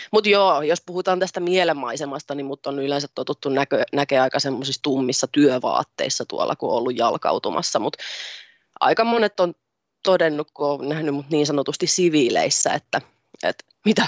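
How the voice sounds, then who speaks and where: A woman's voice, very deep and low in pitch, with ordinary pitch variation and a moderate pace. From Tampere, Finland. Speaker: youth worker, podcast co-host. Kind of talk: casual chat.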